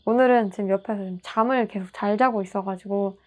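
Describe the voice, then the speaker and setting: A woman's voice: medium pitch, steady tone, fast. A woman casually reading tarot cards for her viewers, chatty and reassuring, sometimes acting out small quoted lines. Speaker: tarot reader.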